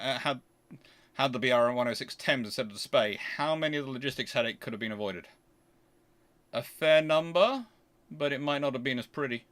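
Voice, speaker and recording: Man, British accent, mid-pitched voice, livestream host, casual Q&A chat, halting, rambling, self-rephrasing. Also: a bit bright. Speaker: livestream host answering audience questions.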